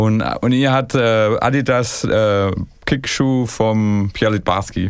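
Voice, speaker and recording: A man's fairly low voice in a strong Swabian accent, very slow, with fairly even intonation and very even loudness. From Swabia, Germany (Schorndorf). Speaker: musician. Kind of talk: casual chat.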